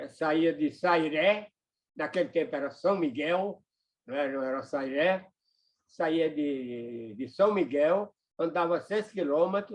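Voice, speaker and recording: Very slow delivery with lively intonation. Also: man, fairly high pitch for a man. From Pernambuco, Brazil (rural interior near Caruaru). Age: 90s. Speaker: retired law professor. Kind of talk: oral history interview. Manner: halting, many repetitions and fillers.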